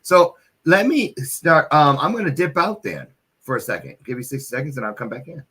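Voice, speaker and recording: A man's voice: a little high, very animated, a little fast, sharp tone, husky. A man hosting a casual, chatty online interview in a folksy, playful manner. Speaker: host of an online interview show.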